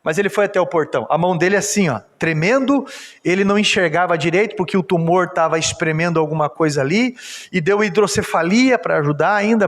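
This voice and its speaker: A Brazilian pastor telling a testimony in a church service sermon, moving from storytelling to emphatic exhortation. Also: male voice, high-pitched. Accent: Brazilian Portuguese. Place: church sanctuary. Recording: church hall reverb.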